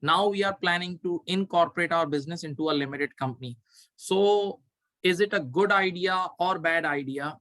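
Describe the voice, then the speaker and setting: A male tutor with a somewhat high-pitched voice leads an online exam revision class. He explains in an instructional way and often says a phrase again to drive it home. The sound is dry, with little trace of the room. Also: moderate pace, a bit bright, dry recording. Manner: repeats phrases for emphasis, instructional. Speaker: accounting tutor.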